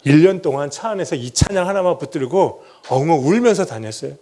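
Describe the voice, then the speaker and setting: A man's voice: fairly high pitch, animated, quick pace, mellow. A middle-aged man, a pastor, preaching a sermon and telling his own story, asking the congregation rhetorical questions and acting out what he said back then. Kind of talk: sermon with personal testimony.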